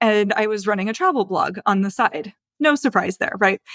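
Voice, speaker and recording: A woman with an American accent speaks at a moderate pace in a medium pitch, with an unremarkable speaking voice. The recording is very clean, with a silent background and a dry, close sound with no echo. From United States. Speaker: copywriter. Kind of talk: casual interview chat.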